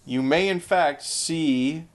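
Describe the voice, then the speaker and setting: A man's voice: fairly high pitch, takes it slowly. A man co-hosting a podcast, chatting casually with dry sarcasm and rambling asides. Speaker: podcast co-host. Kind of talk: casual chat.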